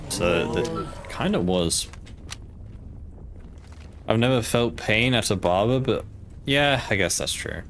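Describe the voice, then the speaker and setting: A man's voice: lowish voice, lively intonation, slow, long pauses, a bit bright, a little hiss or hum. A young man from Poland with a British accent, chatting casually and hesitantly while streaming a game, with lots of fillers. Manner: rambling, hesitant, filler-heavy. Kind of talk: casual gaming stream chat.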